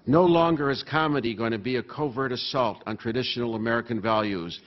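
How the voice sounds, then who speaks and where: A man's voice: medium pitch, brisk. A man acting as questioner, reading questions aloud to a guest. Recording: dull sound with faint noise.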